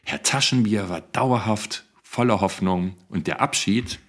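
A man's voice: on the low side, measured pace. A man with a German accent, co-hosting a podcast in casual chat, rambling a little with restarts. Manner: chatty, rambling with restarts, laughs often. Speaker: podcast co-host.

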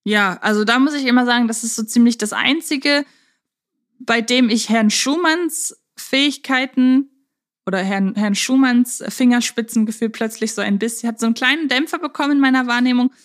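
High-voiced woman chatting as podcast co-host. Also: normal speed. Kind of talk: casual podcast discussion.

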